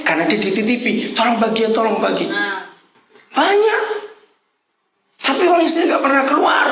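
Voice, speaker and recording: A man preaching a lively sermon to a congregation with a slight tinge. He swings from soft asides to loud shouted lines and teases the crowd. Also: mid-range voice. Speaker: pastor. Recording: roomy church hall with congregation.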